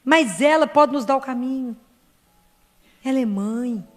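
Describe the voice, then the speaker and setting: A woman's voice: high-pitched, unhurried. A Brazilian woman giving a fervent devotional sermon to a crowd and acting out dialogue as she preaches. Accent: Brazilian Portuguese. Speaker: Catholic speaker and doctor. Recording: reverberant hall with faint music.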